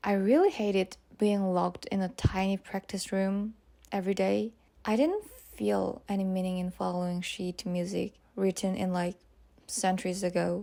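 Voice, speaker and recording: A woman in a Korean accent at a moderate pace. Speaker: self-improvement YouTuber and life coach. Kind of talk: motivational talk to camera. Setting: speaking to a camera.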